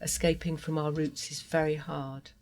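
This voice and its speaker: A trans woman from Guatemala, a native Spanish speaker, telling her life story in an interview with an earnest, heartfelt, measured manner. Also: sits low, little pitch movement, a little mellow. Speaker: interview guest. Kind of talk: personal testimony interview.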